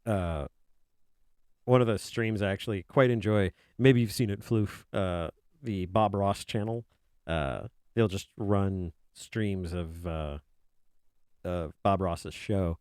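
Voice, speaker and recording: A man streaming while he draws, chatting casually in a soothing, soft-spoken way that wanders and fills pauses with ums and uhs. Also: low-pitched, smooth, dry recording, clean studio sound. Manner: rambling, soft-spoken, many fillers. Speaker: artist streamer. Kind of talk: casual chat while drawing on a live stream.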